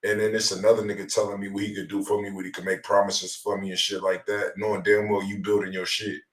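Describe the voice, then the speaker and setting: A man's voice: fairly low pitch, little pitch movement, quick pace. An American man hosting a podcast in casual, slangy, profane talk, often repeating himself. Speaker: podcast host taking audience questions on a livestream. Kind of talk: casual chat with heavy slang. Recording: roomy, echoey sound.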